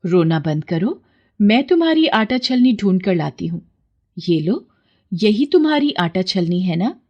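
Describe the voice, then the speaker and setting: A woman's voice: mid-range voice, sing-song, unhurried, muffled recording. A stern, righteous pond goddess, as a woman narrator puts her on in a cartoon story. Her voice is raised and commanding, and she scolds a greedy man in a lofty tone. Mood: gentle.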